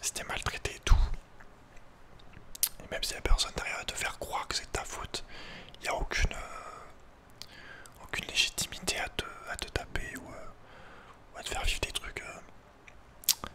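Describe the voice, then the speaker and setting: Male ASMR host, fully whispered, casual and halting delivery, personal advice chat. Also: pushed and bright. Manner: hesitant, halting, informal. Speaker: ASMR video creator and host.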